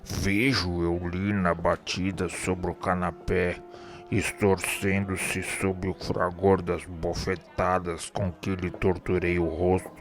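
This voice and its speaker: Radio drama lead: male actor as remorse-haunted murderer, anguished and declamatory, low register, very measured delivery. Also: little pitch movement, over music. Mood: haunted, troubled. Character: tormented, remorseful man haunted by his murder. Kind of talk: radio drama acting, formal literary speech.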